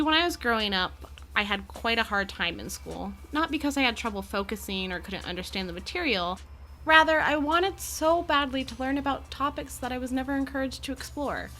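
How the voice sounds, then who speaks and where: A woman's voice: a little high, pushed and bright. A woman playing an amiable, poised Gorgon educator in an audio drama, with articulate, genteel and reassuring phrasing.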